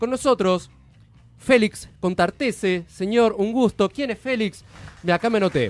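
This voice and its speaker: Speaking at a fairly slow pace, a man uses a high pitch with ordinary pitch variation in a dry sound with no echo. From Quilmes, Greater Buenos Aires, Argentina; Buenos Aires. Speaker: online radio host. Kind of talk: radio interview. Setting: radio studio. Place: studio.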